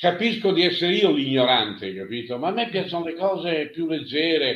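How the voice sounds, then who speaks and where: Vocal fry marks a man's fairly high-pitched voice as he talks at a moderate pace with lively intonation. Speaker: science fiction writer. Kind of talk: interview.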